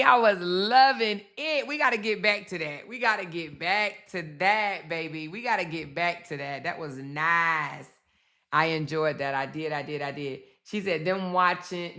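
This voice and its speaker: A woman's voice: medium pitch, bright, forceful tone. A woman hosting a casual live-stream commentary, reading chat comments aloud and calling viewers baby and girl. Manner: chatty, calls viewers baby and girl, repeats phrases.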